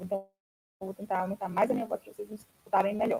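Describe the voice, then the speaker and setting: A soft-spoken woman of medium pitch, her tone dark and mellow and somewhat breathy. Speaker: online course instructor. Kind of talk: online class. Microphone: too quiet for listeners.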